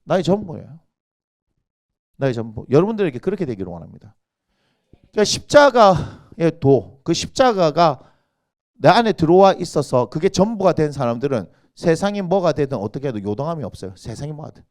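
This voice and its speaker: Man, pastor preaching a sermon, lively up-and-down delivery, quizzes the congregation. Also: a little high, fairly quick. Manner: animated, quizzing the congregation with rhetorical questions. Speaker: senior pastor. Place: church sanctuary.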